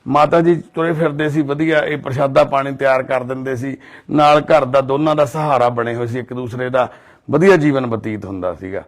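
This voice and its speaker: A man's voice: medium pitch, steady tone, fairly quick. Earnest Punjabi man, narrating. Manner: earnest, soothing, speaks of divine duty. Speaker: charity volunteer host. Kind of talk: documentary narration and consoling talk. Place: outdoors in a residential colony.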